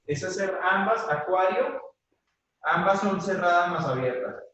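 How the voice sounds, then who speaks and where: Male teacher explaining grammar, higher voice, super echoey room, sounds far from the mic, keeps checking students follow. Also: lively intonation, unhurried, a bit bright. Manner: patient, checks in often with questions to students. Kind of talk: classroom grammar lesson.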